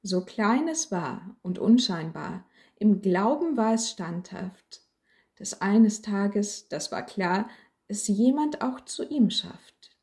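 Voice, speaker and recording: A woman reading a rhyming Christmas story aloud as a storyteller, with a slow, measured, gentle recitation. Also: medium pitch, lively intonation.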